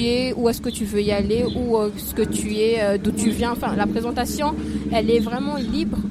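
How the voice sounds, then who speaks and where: Her voice is at a medium pitch. Audible room echo and noticeable background noise accompany the woman. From Comoros. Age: 20s. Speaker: young entrepreneur. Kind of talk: interview. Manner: hesitant, many fillers.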